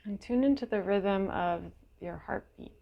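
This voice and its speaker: A woman leading a guided meditation in a gentle, unhurried way, leaving long pauses between short phrases, with a creaky voice. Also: medium pitch, highs cut off. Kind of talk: guided meditation, slow and soothing.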